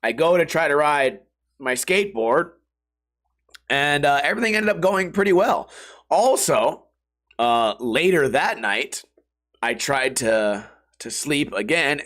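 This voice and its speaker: A man's voice: a little high, fairly bright tone. A young man from the United States hosting his podcast while sick and half out of voice, rambling casually in slang and swear words. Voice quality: hoarse, rough voice. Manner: slangy and profane, drifting between topics. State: sick, voice partly lost. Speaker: podcast host.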